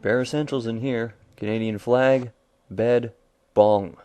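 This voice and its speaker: A man's voice: medium pitch, steady tone, takes it slowly, a little mellow, faint music behind. A young man casually commentating a video game with dry, joking asides. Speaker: let's-play commentator.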